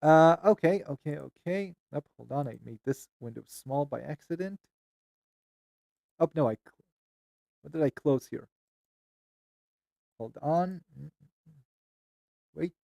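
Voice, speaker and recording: A man's voice: fairly high pitch, expressive, measured pace, creaky, long pauses, a little mellow, no room sound, studio quality. A man hosting a casual stream chat, often distracted and muttering to himself while he fixes his screen. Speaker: streamer host.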